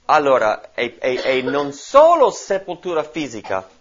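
A man's voice: medium pitch, huge pitch swings, unhurried, a bit bright. A man teaching from the Bible in a sermon, explaining and asking his listeners questions. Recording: dull lo-fi recording.

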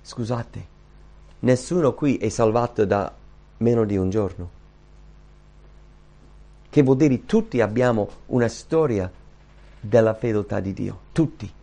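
A man preaching a sermon in animated storytelling style, acting out Bible scenes and repeating key phrases for emphasis. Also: on the low side, measured pace, gravelly, pauses often.

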